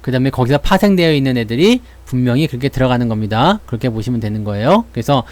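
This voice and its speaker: A man's voice: mid-range voice, expressive, fast talker, a little mellow, dry recording. A man hosting a stock market channel, talking in a casual, playful way and acting out little voices as he chats. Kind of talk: casual chat.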